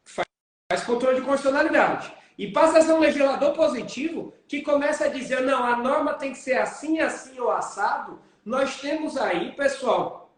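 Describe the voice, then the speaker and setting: A male lawyer explains the law in a measured, teacherly way and answers his own rhetorical questions. His voice rings out in a very echoey room. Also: very high voice. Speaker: lawyer, guest.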